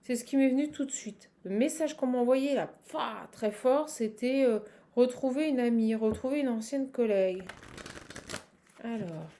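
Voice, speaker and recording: Woman, Parisian French accent, fairly high voice, soft mellow tone, chatty exclamatory card reader, improvised and repetitive. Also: moderate pace. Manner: chatty, exclamatory, often interrupting herself and repeating phrases. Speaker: tarot card reader and channel host. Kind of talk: casual improvised card reading to viewers.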